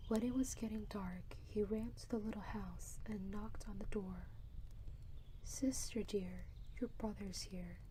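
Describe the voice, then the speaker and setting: A soft-spoken voice at a fairly slow pace. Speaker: ASMR storyteller. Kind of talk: reading aloud.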